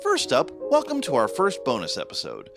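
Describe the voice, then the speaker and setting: A man hosting a horror fiction podcast, giving announcements and then reading the story in a slow, hushed, dramatic way. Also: mid-range voice, wildly swooping pitch, vocal fry. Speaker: podcast host and narrator. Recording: music playing behind the voice.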